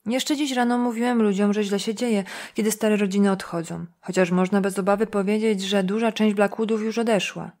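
A woman voicing a loud, mocking small-town man who drawls and needles with taunting jokes, pitched up and pushed hard. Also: steady tone, fairly quick, hardly any pauses. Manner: drawling, taunting, repeats himself with laughs.

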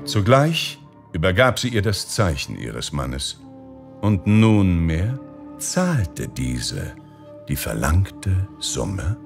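A man reading a folk tale aloud as a storyteller, with a measured, dramatic delivery. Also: deep voice, very animated, creaky, over music. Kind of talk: scripted audiobook narration.

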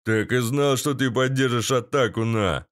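A man voicing a rough, foul-mouthed former paratrooper comrade in an audiobook. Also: medium pitch, normal speed, close to an everyday voice. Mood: gruff. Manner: coarse, gruff, offhand cursing.

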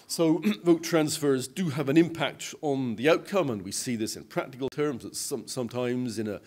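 An older man giving an explanatory presentation to a convention in a hotel conference room, measured and patient, with frequent small restarts. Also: medium pitch, a little mellow.

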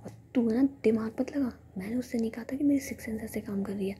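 A woman's voice: fairly high pitch, quick pace, mellow, a little hiss or hum, natural voice. A woman voicing a sweet-talking, protective young woman in a whispery, coaxing tone. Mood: bossy.

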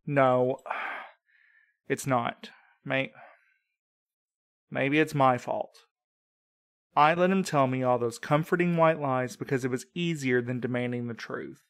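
A man's voice: medium pitch, slow pace, pauses often, clear, resonant tone, dry recording. A man playing a grieving young courier who is bitter and accusing, with clipped lines.

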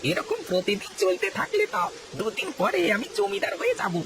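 A man voicing a sly, greedy male servant in a cartoon, wheedling with lively swings of pitch. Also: brisk, heavy background noise. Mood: scheming. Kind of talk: cartoon voice acting.

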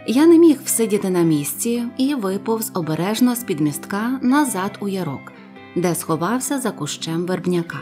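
A woman reading a storybook aloud with lively, expressive narration. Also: mid-range voice, normal speed, faint music behind. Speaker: audiobook reader.

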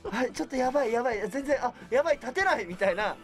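Young man, radio guest, animated, casual talk, studio microphone, soft music behind. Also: extremely high pitch, very fast. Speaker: voice actor guest on a radio show.

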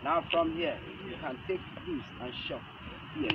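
A man in his thirties teaching a hands-on self-defense lesson in short, halting phrases, repeating his instructions. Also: fairly high pitch. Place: large open concrete outdoor arena with stepped stands. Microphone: camera a few metres away. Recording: muffled outdoor camera audio, loud ambient noise. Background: loud outdoor ambient noise.

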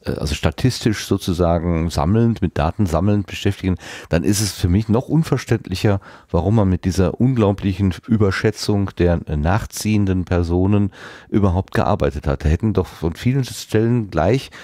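A man's voice: low voice, warm tone, no room sound, clean studio sound. A man hosting a conversational podcast interview, asking long questions that he rephrases as he goes. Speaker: podcast host interviewing a guest.

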